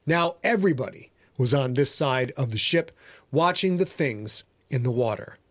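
A man hosts and narrates his own podcast in a playful, theatrical way, mixing dramatic story reading with casual podcast talk. His mid-range voice has lively intonation and a moderate pace, and the recording is dry.

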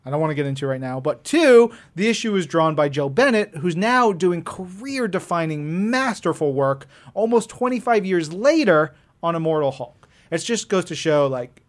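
A man's voice: fairly high pitch, very animated, moderate pace, hardly any pauses. A man co-hosting a comics podcast, talking effusively and emphatically with casual slang. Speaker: podcast co-host. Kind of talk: enthusiastic comics chat podcast.

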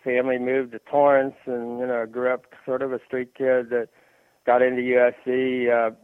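A man's voice: mid-range voice, completely flat delivery, smooth, no echo. Man rambling on a tinny phone line. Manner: halting, many fillers and restarts. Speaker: sports radio commentator. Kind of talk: rambling sports talk on phone.

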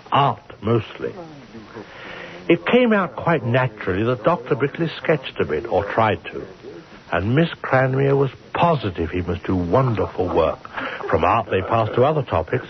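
An actor playing a wry storyteller in an old-time radio drama, with theatrical, gently ironic narration. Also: male voice, medium pitch, big pitch swings, moderate pace, natural voice. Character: wry storyteller narrating a doctor's daydreams and dark secrets. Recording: dull old radio recording with music.

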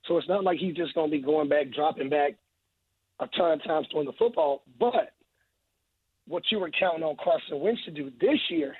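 Man, 30s, hoarse, husky, tinny phone line, earnest, emphatic. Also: on the high side, normal speed, dry recording. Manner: earnest, emphatic, repeats phrases. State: losing his voice, hoarse. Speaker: guest football analyst. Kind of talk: radio interview, sports analysis.

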